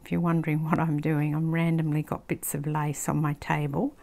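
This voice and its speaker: An older woman with an Australian accent, casually thinking aloud as she works on a craft project, sometimes dropping into a soft near-whisper. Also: low voice, level tone, brisk, vocal fry. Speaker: craft channel host. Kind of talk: casual craft-along commentary. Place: indoor craft table, filmed from overhead.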